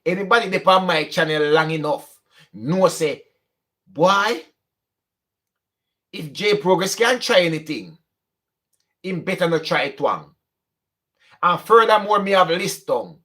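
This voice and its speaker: A young man from Jamaica talks to his channel in a high, bright, forceful voice, expressive and unhurried, with frequent pauses. His strong Jamaican accent shows as he shifts between standard English and patois in this casual vlog.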